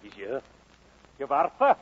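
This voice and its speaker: An actor playing a gruff, courteous Welsh prizefighter in a vintage film drama, with a husky voice. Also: male voice, medium pitch, wildly swooping pitch, a little slow, heavily acted. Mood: polite. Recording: dull vintage film soundtrack.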